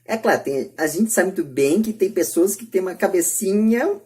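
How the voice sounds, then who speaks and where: A woman's voice: mid-range voice, animated, moderate pace, dark tone. A Brazilian woman giving her opinions in a podcast discussion, emphatic and repeating her points. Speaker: podcast speaker.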